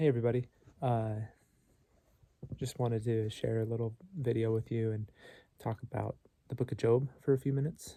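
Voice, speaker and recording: Quiet and fairly quick, a man talks in a dark, mellow tone broken by long, frequent pauses. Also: medium pitch for a man. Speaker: bible teacher. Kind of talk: casual bible talk. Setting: quiet place. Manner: quiet, kept voice down; halting, many fillers.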